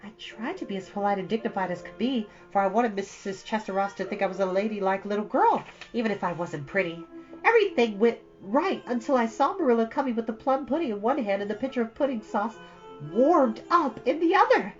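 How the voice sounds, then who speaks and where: A woman's voice: on the high side, animated, brisk, highs cut off, soft background music, voice pushed up, natural voice. A woman voicing an imaginative, dramatic young girl who talks in breathless run-on stories. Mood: rueful, dramatic. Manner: breathless, run-on storytelling, theatrical.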